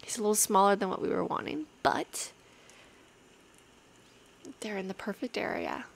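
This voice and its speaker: A young woman plays a girlfriend chatting intimately in an ASMR style. Her voice is soft and often close to a whisper, with a creaky edge and a casual, hesitant flow. Faint rainy-night ambience sits behind her. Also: medium pitch, fairly even intonation, normal speed. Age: 19, young adult. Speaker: ASMR roleplay performer playing an affectionate girlfriend. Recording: clear background noise, rainy night ambience. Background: rain ambience.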